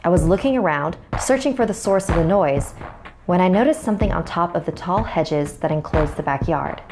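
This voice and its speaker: A young woman telling a scary first-person story in a measured, suspenseful way, narrating over a music bed. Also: on the low side, expressive, background noise.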